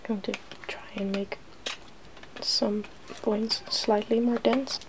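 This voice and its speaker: A woman hosting an ASMR video, talking softly through a hands-on demonstration and slipping now and then into whispers. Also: mid-range voice, little pitch movement, slow pace. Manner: soft-spoken, slipping into whispers. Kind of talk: ASMR, soft-spoken makeup demonstration. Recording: clear background noise.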